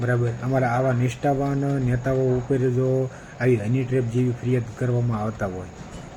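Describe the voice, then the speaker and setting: A man speaks at a medium pitch in a monotone, flat intonation. Noticeable background noise is heard. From Gujarat, India (Rajkot district, Saurashtra). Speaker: community activist. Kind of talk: public appeal / protest call. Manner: impassioned.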